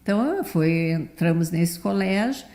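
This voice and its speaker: A woman's voice: fairly low pitch, animated, unhurried, dark tone. A woman in her seventies, a theatre director, telling stories from her childhood in a chatty, rambling way. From Brazil, born in Rio de Janeiro, raised in the south. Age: 70s. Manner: chatty, rambling, frequent "né" tags. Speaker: theatre director, interview guest. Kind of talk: relaxed storytelling in an interview.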